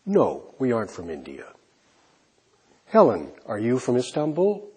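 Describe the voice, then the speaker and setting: A man teaching an English lesson, slowly modelling questions and answers for learners. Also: medium pitch, huge pitch swings. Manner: modelling example answers clearly, trailing off softly. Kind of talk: slow, deliberate classroom instruction.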